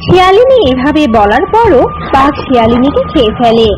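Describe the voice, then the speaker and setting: A woman's voice: high voice, sing-song, normal speed, muffled recording, over music. A woman narrator reading a scripted children's animal story.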